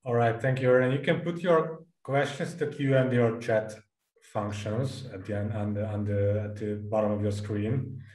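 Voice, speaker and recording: A man's voice: fairly low pitch, steady tone, a little mellow. A man moderating a conference Q&A over a video call, restarting his words many times while he forms a question. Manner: halting, repeats words while forming a question. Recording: roomy echo.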